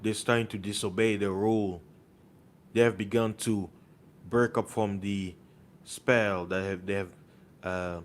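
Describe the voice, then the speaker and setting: Man, low-ish voice, slow and insistent online preacher, heavy on rhetorical questions and repetition. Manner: insistent, rhetorical questions, repeats words for emphasis. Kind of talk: impassioned monologue.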